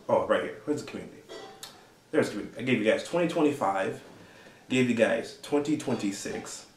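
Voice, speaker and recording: A man's voice: on the low side, slight background noise. A man in his twenties hosting a casual solo commentary, rambling and laughing often between thoughts. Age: 20s. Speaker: host. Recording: roomy, distant from the mic.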